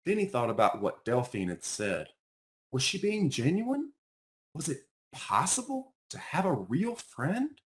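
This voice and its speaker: A man reading a children's picture book aloud in an expressive storytelling style, as its author. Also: on the high side, unhurried.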